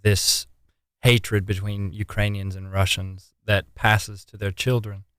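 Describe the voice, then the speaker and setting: A twenty-year-old man answering interview questions in a measured, earnest way. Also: lowish voice, level tone, fairly bright tone, clean tone, dry recording. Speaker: interview guest, relief volunteer.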